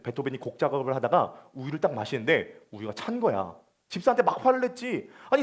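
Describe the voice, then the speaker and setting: A worried middle-aged man who has failed for years to become a film director talks in a low, confiding murmur, as a preacher acts him out. His voice sits high and the words come quickly. He sounds restless and uneasy.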